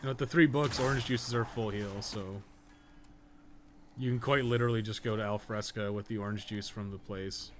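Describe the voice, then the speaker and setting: Lower-voiced man rambling over gameplay, noisy background. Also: steady tone, normal speed. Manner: rambling, thinking aloud, slangy and profane. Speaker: game livestreamer. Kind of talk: casual gameplay commentary, chatting while playing.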